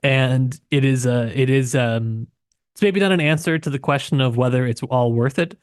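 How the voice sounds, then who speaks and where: Casting: man for literary podcast co-host. Medium pitch, reflective and self-qualifying, casual delivery, very little room sound. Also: normal speed, clean tone, no echo, clean studio sound.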